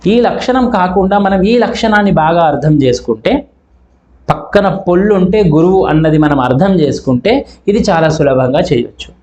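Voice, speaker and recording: A man teaching a grammar lesson, speaking slowly and sounding out syllables to show how they are pronounced. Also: a little high, animated, a little mellow. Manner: slow, deliberate, sounds out syllables to demonstrate. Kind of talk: explanatory classroom lesson. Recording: echoey room, dull lo-fi sound.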